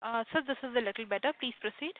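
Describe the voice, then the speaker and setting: A woman's voice: a little high, racing, no echo. A woman moderating a conference call, making polite, clipped formal announcements over a phone line. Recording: dry, tinny phone line.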